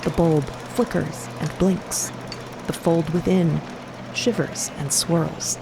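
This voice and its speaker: A woman's voice: low voice, fairly even intonation, takes it slowly, creaky, noisy background. A woman narrating a fiction podcast in the present tense, evocative, descriptive and confiding.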